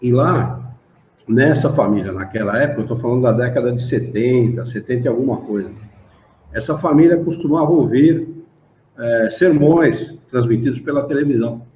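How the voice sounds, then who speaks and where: A man's voice: mid-range voice, moderate pace, mellow, slight background noise. A man with a Brazilian accent leading a spiritist study class, explaining texts and asking the group rhetorical questions. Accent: Brazilian Portuguese. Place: meeting room of a study association. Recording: roomy, dull lo-fi room recording.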